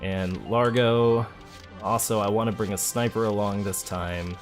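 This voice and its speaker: Male let's play host, lower-pitched voice, casual and chatty, talking through moves over background music. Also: measured pace. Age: adult, parent of a school-age child. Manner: relaxed, chatty, thinking aloud. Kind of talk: casual gameplay commentary. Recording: game music behind the voice. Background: video game music.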